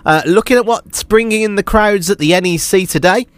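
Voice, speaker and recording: High-voiced British male radio host, nasal with a cold. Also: brisk, a bit bright, no echo. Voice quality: blocked-nose, nasal sound. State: congested with a cold. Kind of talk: casual live radio show chat. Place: radio studio.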